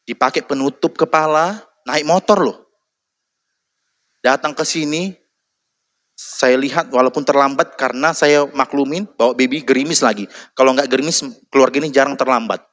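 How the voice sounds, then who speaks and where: A man preaching a lively sermon, exhorting the congregation and calling for amens. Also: medium pitch, moderate pace. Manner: animated, exhorting, calls for amen.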